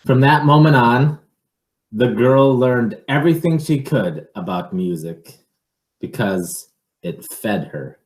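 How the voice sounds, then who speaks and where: Slow-reading man in an echoey room. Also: mid-range voice. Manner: measured, expressive, pausing to wonder aloud. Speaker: reader, teacher reading a picture book aloud. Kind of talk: picture-book read-aloud with informal asides to children.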